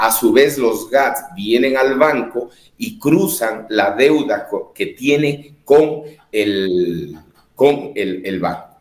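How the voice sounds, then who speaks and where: Vocal fry and lively intonation mark this man's very slow delivery. Audible room echo surrounds him. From Ecuador. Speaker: economist, development bank manager; interviewee. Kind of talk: radio interview. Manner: hesitant, repeats words. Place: home room.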